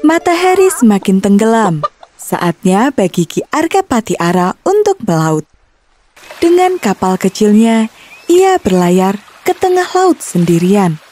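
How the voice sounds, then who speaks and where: Children's story narrator: woman, warm and mellow, very lively intonation. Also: medium pitch, unhurried, slight background noise. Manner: expressive, storybook-like. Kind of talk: scripted narration of a children's fairy tale.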